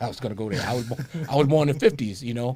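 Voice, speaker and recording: This man has an unremarkable speaking voice. It sits at a medium pitch with ordinary pitch variation. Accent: American. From New York City, Lower East Side of Manhattan. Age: 60s. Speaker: martial arts teacher. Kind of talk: interview.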